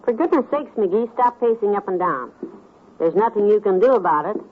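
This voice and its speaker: An actress playing a fond, chatty middle-aged wife in an old radio comedy. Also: female voice, mid-range voice, animated, normal speed, background noise, lightly acted. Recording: tinny old radio transcription.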